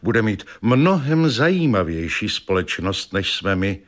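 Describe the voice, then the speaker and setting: A man's voice: lowish voice, big pitch swings, fairly bright tone. A man voicing a sensible older nurse in a read-aloud story, speaking in a level-headed, matter-of-fact way.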